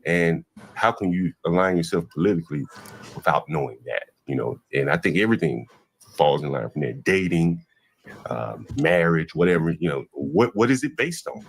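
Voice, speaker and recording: A man's voice: low-pitched, expressive, normal speed, creaky, breathy edge. A man in his fifties giving blunt, dismissive commentary, rambling with restarts. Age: 50s. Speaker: commentator reacting to a panel. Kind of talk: opinionated commentary.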